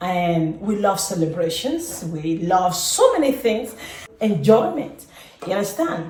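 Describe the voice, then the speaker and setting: With a Nigerian accent, a woman speaks at a medium pitch in an animated tone with lively intonation. Audible room echo and noticeable background noise fill the recording. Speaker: vlogger. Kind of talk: casual talk to camera.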